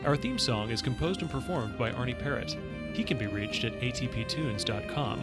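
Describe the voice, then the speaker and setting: A man reading the show's closing credits in an even, formal manner. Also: medium pitch, normal speed. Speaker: show announcer. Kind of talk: scripted credits read. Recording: music bed underneath.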